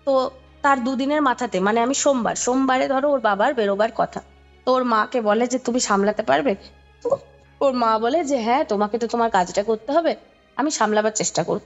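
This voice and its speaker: A woman with a Kolkata Bengali accent speaks in a fairly high voice, with music playing behind her. She tells a story conversationally, explaining details and often checking that the listener follows. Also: brisk, lo-fi sound. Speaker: podcast guest recounting a ghost story.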